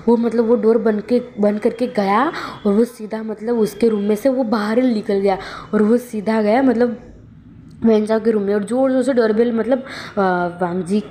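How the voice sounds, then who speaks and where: Mellow woman casually retelling a story. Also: medium pitch, slight background noise. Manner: loose retelling with frequent filler words. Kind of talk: casual fan-fiction narration.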